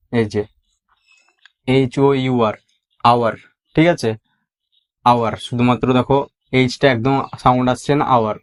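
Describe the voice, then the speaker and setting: A man with a Bengali accent teaching a spoken English lesson, spelling out letters and repeating each example word. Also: mid-range voice. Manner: explains slowly, spells out letters one by one and repeats words.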